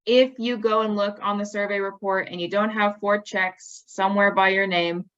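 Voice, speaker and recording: A woman's voice: medium pitch, flat delivery, normal speed, a bit bright, dull audio. Casual young woman hosting a video call. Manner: casual, filler-heavy, with many ums and likes. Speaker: program host.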